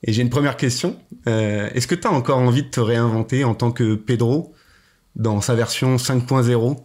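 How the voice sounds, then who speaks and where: A man's voice: medium pitch, normal speed, darkish tone. A man hosting a podcast, asking questions in a friendly, informal way with many fillers. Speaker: podcast host. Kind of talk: casual interview.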